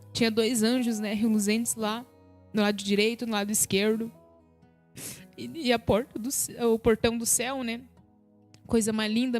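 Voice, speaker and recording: A woman giving an emotional spiritual testimony on a live stream, often turning to her listeners as brothers and sisters. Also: fairly high pitch. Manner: emotional retelling, repeats "sabe, meus irmãos". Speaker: guest giving a religious testimony.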